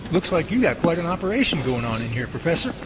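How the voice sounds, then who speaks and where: Excitable, higher-voiced actor as field researcher, noisy track. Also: male voice, quick pace. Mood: impressed. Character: eager, jittery male field researcher named Jerry. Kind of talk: amateur radio drama acting. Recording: noisy track with ambient rumble.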